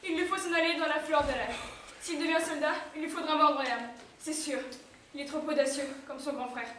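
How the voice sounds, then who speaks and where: A woman's voice: extremely high pitch, quick pace, a bit bright. A woman playing a protective, lamenting mother in a stage drama, declamatory and pleading. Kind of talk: theatrical stage acting. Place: theatre stage, indoors. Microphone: far camera in audience. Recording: echoey theatre hall, distant, noisy.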